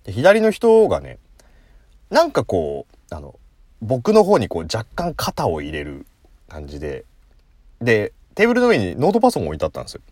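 A man's voice: lowish voice, huge pitch swings, brisk, darkish tone, breathy edge, dry recording, clean studio sound. A man casually telling a funny story on his solo talk show, laughing at his own jokes. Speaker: podcast host. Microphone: phone app recording.

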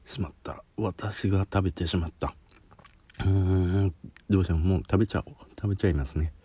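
Kansai-accented man, deep and husky, chatty solo food-review podcaster, sniffly from spice. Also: fairly even intonation, fairly quick, mellow. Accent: Kansai Japanese. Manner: chatty, self-deprecating, sniffling while eating spicy food. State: sweating and runny nose from spicy food.

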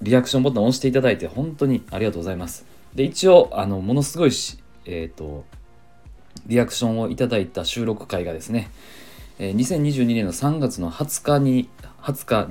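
A man with a Kansai accent hosting a casual solo podcast, rambling through a story with lots of fillers and soft chuckles. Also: on the low side. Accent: Kansai Japanese. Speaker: podcast host.

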